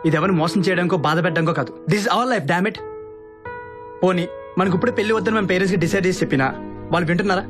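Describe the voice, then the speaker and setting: An actor as persuasive young groom, high-pitched voice. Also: male voice, very fast, natural voice. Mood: insistent. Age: young adult. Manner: emphatic, coaxing, full of rhetorical questions. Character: persuasive, teasing young groom scheming a sham marriage. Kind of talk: film dialogue, Telugu mixed with English. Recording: film soundtrack with loud background music. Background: music.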